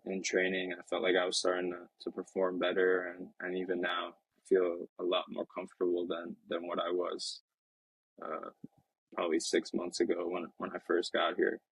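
A young man in his twenties speaks in a deep, very flat and husky voice, picking his words slowly with frequent restarts. The sound is dry and close, with no room around it. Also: no room sound, poor audio. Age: 20s. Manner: reflective, halting, many restarts. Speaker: professional soccer player, guest. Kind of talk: casual interview talk. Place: Lisbon.

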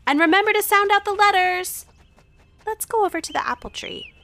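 A woman's voice: very high voice, fairly quick, bright, forceful tone, exaggerated voice. A woman playing a self-possessed, civic-minded young girl in a tabletop audio drama, with a prim and precise way of talking. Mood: brisk, proper.

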